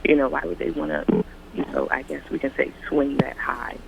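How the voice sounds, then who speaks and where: A man calling in to a radio talk show, rambling and hesitant with many pauses. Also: medium pitch, big pitch swings, vocal fry, in a whisper. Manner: rambling, hesitant, full of ums. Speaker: caller. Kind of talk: phone-in call. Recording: dull lo-fi phone line.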